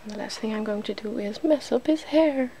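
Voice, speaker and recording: A woman's voice: fairly high pitch, brisk. A woman hosting an ASMR video, chatting casually and informally as she works on someone's makeup. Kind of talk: ASMR, casual chat while doing makeup. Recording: noticeable background noise.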